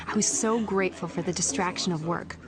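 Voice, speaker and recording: An actress playing an orderly wedding planner, giving a composed, wry first-person film voice-over. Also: female voice, on the low side, fairly quick, a crowd in the background, lightly acted. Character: dutiful, orderly female wedding planner recounting her day.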